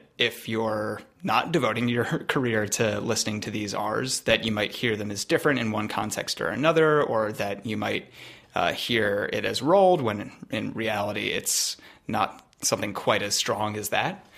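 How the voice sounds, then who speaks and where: With an American accent, a man with a fairly low voice talks at a moderate pace and ordinary pitch variation. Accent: American rhotic. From United States. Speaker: postdoctoral researcher. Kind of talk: interview explaining research.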